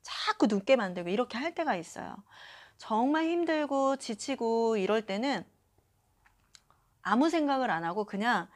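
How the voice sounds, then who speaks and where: A woman's voice: a little high, lively intonation, moderate pace. A young adult woman talking casually into her phone about a self-help book, acting out little quoted lines and often filling with short "yes" asides. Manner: chatty, acts out quoted lines, frequent filler "네". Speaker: channel host reading and commenting on a self-help book. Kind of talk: casual talk to camera.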